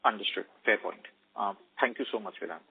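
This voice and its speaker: A man with a husky voice, calling in as an analyst with follow-up questions. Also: fairly low pitch, brisk, a little hiss or hum. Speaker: financial analyst caller. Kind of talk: asking follow-up questions on an earnings call. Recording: muffled narrowband phone line.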